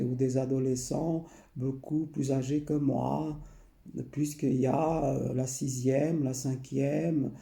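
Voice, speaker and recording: A man, recalling his past slowly and hesitantly, often pausing and repeating himself. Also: medium pitch, gravelly, mellow, echoey room. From Portugal. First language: Portuguese. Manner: hesitant, many pauses and repeated phrases. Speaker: memoir narrator. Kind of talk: slow personal recollection.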